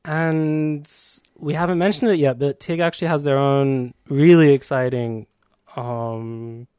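A man's voice: on the high side, fairly even intonation, measured pace, a little mellow, smooth, no room sound, clean studio sound. A man hosting a community radio show, interviewing a guest in a friendly, encouraging way.

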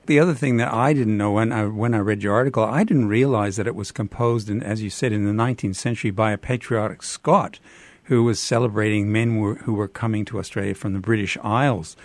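Man, Canadian accent, radio host, lowish voice, dry close sound, measured, hesitant. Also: steady tone, dry recording. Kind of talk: radio interview.

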